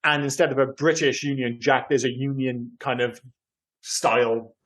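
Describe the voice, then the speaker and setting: A man's voice: medium pitch, steady tone, normal speed, a bit bright. A British man co-hosting a film podcast, chatting loosely and rambling, with casual swearing. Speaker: podcast co-host.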